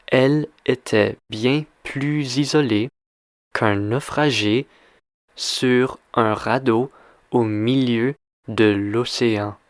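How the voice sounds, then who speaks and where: Very slow, clear-voiced male teacher. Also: medium pitch, steady tone, no room sound, clean studio sound. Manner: deliberate, repeats and quizzes the listener. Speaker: French language teacher. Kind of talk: slow question-and-answer reading lesson.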